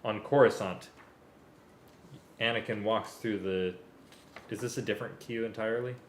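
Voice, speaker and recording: A man's voice: fairly low pitch, steady tone, moderate pace, a little hiss or hum. A man reading a script aloud and directing a music rehearsal. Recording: echoey room, loud live string music. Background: loud violin and string music.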